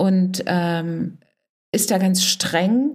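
A woman speaks in a plain, everyday voice. Her medium pitch holds fairly even intonation. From Germany. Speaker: playwright and writing teacher. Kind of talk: casual discussion.

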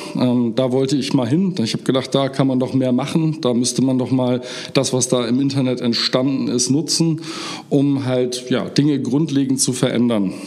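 The speech comes at a moderate pace with very even loudness and fairly even intonation. Audible room echo and noticeable background noise are present. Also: man, medium pitch for a man. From northern Germany, Hamburg area. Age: 30s. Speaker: company founder and CEO. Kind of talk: interview.

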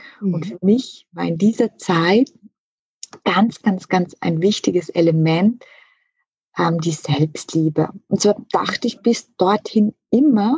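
Dry and close with no echo, a woman's somewhat breathy voice carries a slight Austrian accent, medium pitch and lively intonation at a very slow pace. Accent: Austrian German, light. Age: 30s. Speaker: mental coach and author. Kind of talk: podcast interview.

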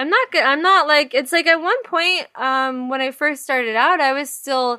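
In a very clean recording with a silent background, a woman with an American accent projects a raised, high-pitched voice at a moderate pace with very wide pitch swings. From New Jersey (Hazlet). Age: 20s. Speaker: guitar builder. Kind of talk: casual chat.

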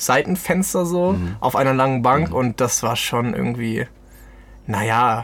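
A plain, everyday voice from a man at medium pitch, lively intonation, on a very clean recording with a silent background. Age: 20s. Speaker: YouTuber and van enthusiast. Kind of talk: casual chat. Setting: recording at a trade fair.

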